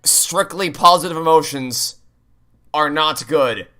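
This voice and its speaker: Bright-voiced man, exasperated game commentary. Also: a little high, slow, faint music behind. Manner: ranting, exasperated, sweary. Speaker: gaming streamer playing through a game. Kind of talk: casual game commentary, chatty.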